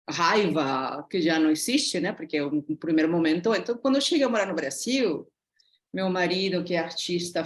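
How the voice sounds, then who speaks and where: A middle-aged woman from Peru with a Peruvian Spanish accent, talking at length and with feeling as a student in an online class. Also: on the low side. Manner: animated, talkative, reflective. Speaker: student asking a question.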